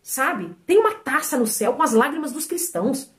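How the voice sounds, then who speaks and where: A woman's voice: sits high, expressive, moderate pace, fairly bright tone. A middle-aged woman preaching an emphatic sermon, exhorting her listeners and asking them questions.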